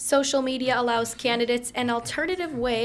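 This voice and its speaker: An unremarkable speaking voice from a woman, fairly high in pitch, at a fairly quick pace with ordinary pitch variation. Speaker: TV news reporter and anchor. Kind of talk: TV news package voice-over.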